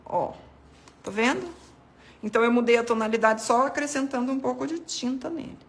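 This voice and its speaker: A woman's voice: fairly high pitch, brisk. A woman giving a casual, chatty watercolor painting tutorial, talking viewers through each step as she paints. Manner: chatty, addresses viewers as "gente", points things out while painting. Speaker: art devotional host.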